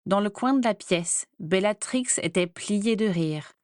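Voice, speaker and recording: A woman narrates a fantasy audiobook in a measured, clear storytelling voice at a middle pitch. Her reading is recorded dry and close. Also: dry recording. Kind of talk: scripted narration.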